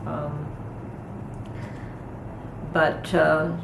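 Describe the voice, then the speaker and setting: A middle-aged woman hosting a homestead vlog, chatting calmly and thoughtfully from her home kitchen. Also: deep voice, creaky. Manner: calm, unhurried, thoughtful with pauses. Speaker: homestead channel host. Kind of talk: casual kitchen vlog chat. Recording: echoey room with noticeable background noise.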